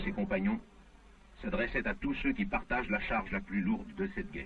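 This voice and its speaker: A man talks at a fairly quick pace with a high pitch. Noticeable background noise runs behind him. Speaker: documentary narrator. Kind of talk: newsreel documentary narration.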